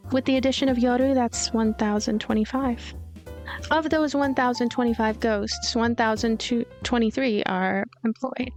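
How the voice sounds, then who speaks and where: A woman reading a visual novel's story aloud as narrator, with light commentary of her own. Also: on the high side.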